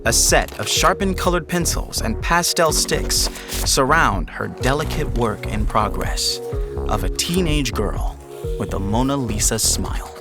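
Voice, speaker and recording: A man's voice: mid-range voice, expressive, unhurried. A man narrating a scripted fiction podcast as a storyteller, setting scenes. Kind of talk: scripted audio drama narration. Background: music.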